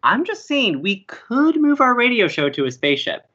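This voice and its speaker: A woman's voice: a little high, big pitch swings, normal speed, fairly bright tone, lo-fi sound. A young woman acting as a breezy, romantic and theatrical college radio co-host in an audio comedy. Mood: playful, mock-romantic. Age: young adult. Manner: playful, dramatic.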